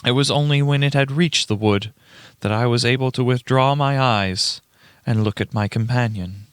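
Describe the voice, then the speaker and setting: A man's voice: mid-range voice, normal speed, clean tone, no echo, close to an everyday voice. A man playing a shaken, earnest witness in a radio play, speaking dramatically. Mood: horrified, urgent. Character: shaken, indignant young male witness recounting a horror.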